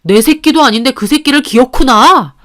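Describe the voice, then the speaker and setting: A woman's voice: high-pitched, brisk, a bit bright. A woman voicing an angry, suspicious young husband in a radio-style story, talking in an accusing, sneering way. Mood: hostile. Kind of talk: Korean radio-story dialogue.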